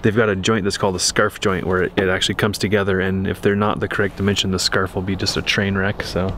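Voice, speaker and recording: At an outdoor building workshop, a homeowner talks casually on camera in a deep voice, speaking fast. He tells stories in a rambling, animated way, with slight noise in the background.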